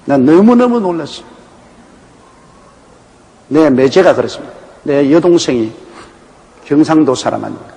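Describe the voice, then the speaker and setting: A man's voice: a little high, lively intonation, normal speed, gravelly, long pauses, dark tone. A man from Korea's Gyeongsang province, a pastor giving a Bible exposition sermon in a folksy, anecdotal storytelling manner. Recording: echoey hall with faint background noise.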